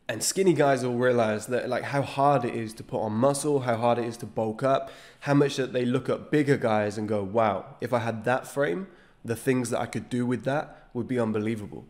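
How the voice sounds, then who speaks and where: A fitness channel host in his thirties talks straight to camera, his medium-pitched, slightly mellow voice nasal from a cold. He explains earnestly and gestures as he goes. He's in a small indoor studio room, using a studio microphone on a desk stand.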